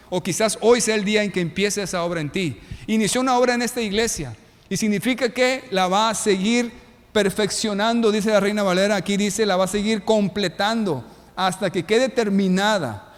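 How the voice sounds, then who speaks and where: High-voiced Mexican pastor preaching in a hall. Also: male voice. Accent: Mexican Spanish. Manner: expressive preaching with rhetorical questions to the congregation. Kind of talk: sermon.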